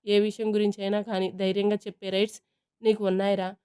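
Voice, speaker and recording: Gentle, caring older brother, read by a female storyteller, mellow, smooth and level. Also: mid-range voice, level tone, quick pace, close to an everyday voice.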